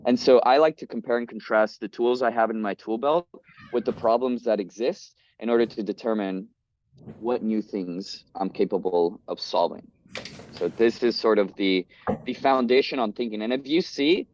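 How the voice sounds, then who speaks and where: This Colombian man in his twenties, a startup founder appearing as a guest speaker, has a medium-pitched voice with a darkish tone. His talk on the community video call is casual and upbeat, full of fillers and restarts, and the call audio is dry and slightly dull.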